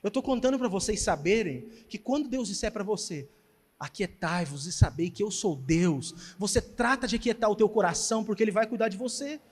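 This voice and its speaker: High-voiced pastor preaching in a hall. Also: male voice, fairly quick. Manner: animated storytelling, preaching emphatically. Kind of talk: sermon with testimony. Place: church hall. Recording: church hall reverb.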